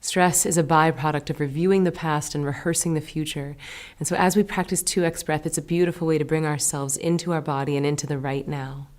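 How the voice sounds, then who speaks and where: Lady w a low voice leading a breathing meditation, soft n soothing, slips into whispers. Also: fairly even intonation. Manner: slow, soothing, gentle instructions with soft whispered words. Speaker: meditation teacher. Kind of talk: guided meditation.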